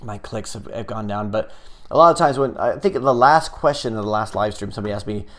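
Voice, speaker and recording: A man's voice: lowish voice, fairly quick. Rambling man on a live stream. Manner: rambling and hesitant, many fillers and restarts. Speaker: app developer hosting a live stream. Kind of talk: casual live-stream chat, reading viewer comments.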